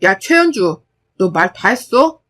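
A woman's voice: medium pitch, sing-song, drawn-out words, dark tone, pitched below the performer's own voice. A woman voicing a domineering middle-aged husband who barks angrily at his family. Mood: angry. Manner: barking, domineering. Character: gruff bullying husband, middle-aged man.

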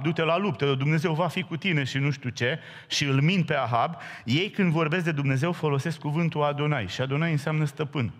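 A man delivers a sermon with a fairly high voice, jumping into the voices of the figures in his story. He keeps turning to the listeners with direct questions. The sound rings out with the long reverb of a church hall. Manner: animated storytelling, acting out biblical dialogue in raised voice; addresses congregation directly with questions. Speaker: pastor.

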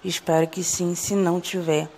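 A hoarse young woman from Brazil, vlogging to camera in an indignant, gossipy way, talking straight to her viewers. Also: on the low side, little pitch movement, normal speed, a little mellow. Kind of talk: casual opinion vlog to camera. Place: small indoor room. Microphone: phone or webcam close to face.

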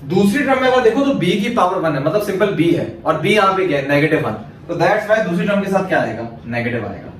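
A man's voice: high-pitched, sing-song, fast, hardly any pauses, slight background noise. A male math teacher with a Pakistani Urdu accent giving a classroom lecture, explaining step by step and answering his own questions. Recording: very echoey room, voice from far off.

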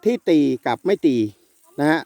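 A man's voice: a little slow, darkish tone, dry recording. A middle-aged man hosting a casual farm vlog outdoors in a chili field, chatting, tagging phrases with polite particles and drifting into moral lecturing. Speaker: farm video host and chili seed promoter.

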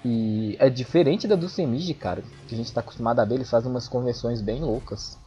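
An excitable man commentates a fighting-game match in a loose, chatty way, swearing freely. He is recorded on an old microphone that makes him sound dull and lo-fi. Faint music plays underneath him. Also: mid-range voice, quick pace. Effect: dull lo-fi sound from his old microphone. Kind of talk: casual esports match commentary.

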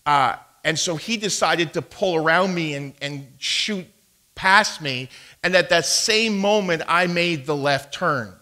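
Pastor guy preaching slow and deliberate, keeps restarting his sentences, storytelling sermon. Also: fairly high pitch, pushed and bright. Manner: storytelling preacher, emphatic, with frequent stammered restarts. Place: church sanctuary.

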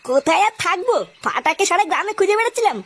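A woman's voice: very high voice, animated, rapid-fire, a bit bright, a little hiss or hum, heavily acted. A woman voicing a worried, impatient village father, agitated and questioning, in a comedy cartoon. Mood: indignant. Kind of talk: amateur comedy cartoon dialogue.

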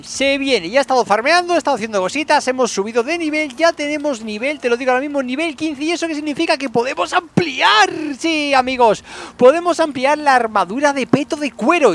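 A man commentating his survival game playthrough, excitable, shouting when fights turn chaotic. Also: very high voice. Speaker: gaming YouTuber. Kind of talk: let's play commentary.

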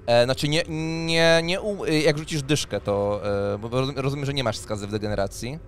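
A man's voice: medium pitch, a little fast. A man in his thirties acting as game master, explaining rules and narrating a tabletop role-playing scene. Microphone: studio microphone on a boom arm. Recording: clear background noise.

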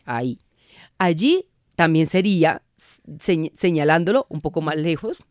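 Low-voiced Colombian woman teaching spelling. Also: animated, measured pace, darkish tone, dry recording, clean studio sound. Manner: patient, didactic, laughs easily. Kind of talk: radio studio explanation. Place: radio studio.

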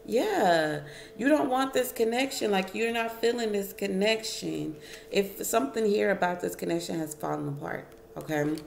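A woman's voice: medium pitch, lively intonation, moderate pace, creaky, a little mellow, echoey room, a little hiss or hum. A woman giving a casual tarot reading at home, chatting to her viewers and musing over each card aloud. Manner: chatty, addresses viewers as y'all, muses over cards aloud. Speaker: tarot reader. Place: home, at a wooden table.

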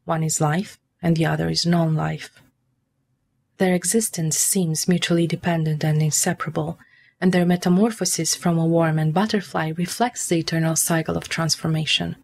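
Low-pitched woman narrating, formal and measured. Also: little pitch movement, gravelly, a little mellow. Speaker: narrator of a mythology video. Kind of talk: scripted narration, storytelling and explanation.

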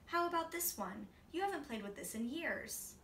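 A woman's voice: high voice, expressive, moderate pace, fairly bright tone, distant mic, pitched above the performer's own voice. A woman voicing an exasperated, firm mother who orders and haggles in a children's storybook. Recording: roomy, off-mic, faint noise.

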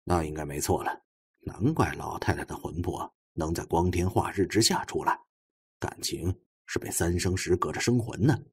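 A shrewd male detective chief from an audiobook, acted by a male narrator. He talks low and husky, in an offhand, grumbling way with a sardonic streak. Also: moderate pace, a little mellow, exaggerated voice. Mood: musing, sardonic.

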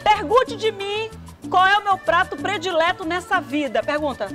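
A woman, hosting a TV show in a studio, playful and teasing with animated exclamations. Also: very high voice, moderate pace, loud music behind the voice. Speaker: TV show host. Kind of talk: lively studio talk. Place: bright TV studio.

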